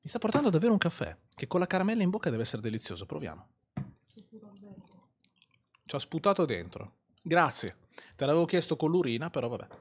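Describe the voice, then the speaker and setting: A man's voice: fairly high pitch, big pitch swings, fast, pauses often, slight background noise. A young Italian man streaming a game live, joking, rambling and thanking viewers by name, mumbling a little around a candy in his mouth. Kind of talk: live gaming stream chat.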